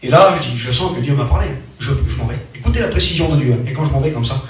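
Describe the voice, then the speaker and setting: A man's voice: medium pitch, animated, fast talker. A man preaching a sermon as a personal story, emphatic and repetitive, often restarting his sentences. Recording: very echoey hall, mic far off.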